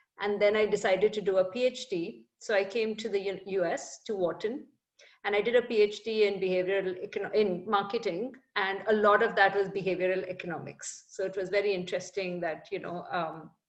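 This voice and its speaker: In an Indian accent, a woman at medium pitch speaks at a fairly quick pace with fairly even intonation. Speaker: behavioral scientist. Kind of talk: guest talk in online study group.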